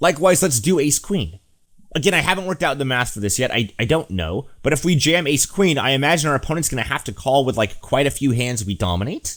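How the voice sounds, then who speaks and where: A man with a fairly high pitch talks very fast, his voice showing vocal fry and very wide swings in pitch. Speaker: poker coach. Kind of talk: tutorial.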